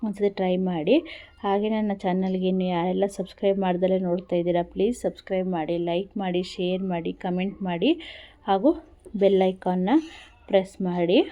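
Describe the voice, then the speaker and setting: A woman's voice: lowish voice, steady tone, a little fast, lo-fi sound. A woman with a Kannada accent, talking viewers through a recipe at an easy pace in a casual cooking vlog, repeating simple instructions. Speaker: cooking vlogger.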